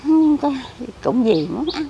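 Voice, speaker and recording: Gravelly old woman. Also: sits high, sing-song, unhurried, muffled recording, background noise. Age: older. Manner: rambling, repetitive complaining. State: frail, weak. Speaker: interviewee. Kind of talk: casual chat. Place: outdoors near a cemetery.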